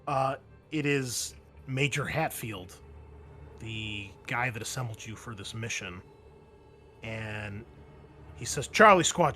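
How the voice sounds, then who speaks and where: A man narrating a tabletop roleplaying game as game master, in a halting, descriptive, conversational way. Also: mid-range voice, fairly bright tone.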